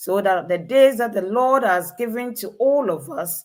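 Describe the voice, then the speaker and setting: In an ordinary speaking voice, a woman talks fairly slowly with lively intonation. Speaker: health talk show host. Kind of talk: live-streamed talk show. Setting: online live stream. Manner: formal.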